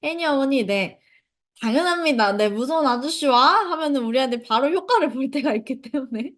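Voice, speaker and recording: A woman's voice: sits high, fairly quick. A woman leading an online parenting lecture. She reads out the parents' chat comments and acts out the things parents say to their children. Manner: acts out parents' lines in lively voices. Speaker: parenting instructor.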